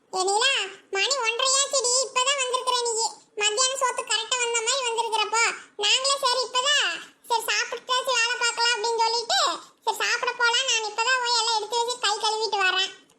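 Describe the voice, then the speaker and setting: In a cartoonish character voice, a woman speaks at a moderate pace, squeaky and extremely high, with monotone, flat intonation and very even loudness. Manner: chiding.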